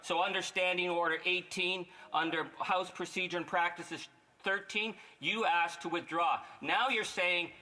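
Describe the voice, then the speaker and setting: A man's voice: high-pitched, fairly even intonation, unhurried, pushed and bright, rough recording. A man with a Canadian accent speaking as a member of parliament in a combative, indignant, accusatory way.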